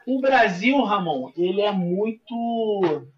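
A man with a carioca accent, a capoeira master chatting warmly as a podcast guest over a video call. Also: high voice, lively intonation, takes it slowly, dull audio. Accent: Rio de Janeiro Portuguese. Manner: warm, effusive, addresses host as friend. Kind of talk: casual podcast interview, singing capoeira songs.

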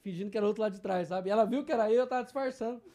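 A man in casual podcast chat, an animated storyteller who acts out shouts and quoted voices, with slangy filler tags. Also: high voice, rapid-fire. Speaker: guest.

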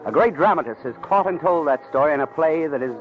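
A man's voice: on the high side, lively intonation, quick pace. A man delivering dramatic scripted narration for an old radio programme. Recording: muffled old radio recording, music.

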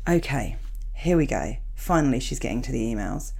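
A woman in her thirties with a cold, hosting her podcast in a rambling, self-mocking chat with a croaky, gravelly voice. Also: a bass voice, lively intonation, normal speed, darkish tone. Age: 30s. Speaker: podcast host. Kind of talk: chatty podcast intro, reading listener emails.

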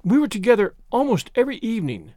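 A man acts out a naive young woman from a storybook, pitched high and swooping with feeling. The voice is small and hesitant, quavering as it pleads stubbornly in distress. The recording is very dry and close. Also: sing-song, quick pace, warm tone, no room sound. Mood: meek, regretful. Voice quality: faint, small voice. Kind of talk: dramatised audiobook story reading.

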